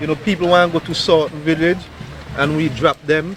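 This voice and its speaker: Crowd noise fills the background. A man with a Vincentian accent speaks at a high pitch. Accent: Vincentian Creole English. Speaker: taxi driver. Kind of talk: street interview.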